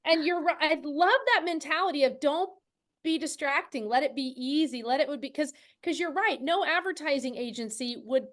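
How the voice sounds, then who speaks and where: Female interview host, very high voice, effusive and conversational, restarts thoughts as she goes. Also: normal speed, a bit bright. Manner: effusive, often restarts and rephrases mid-thought. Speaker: podcast host interviewing guests. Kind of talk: casual enthusiastic interview chat.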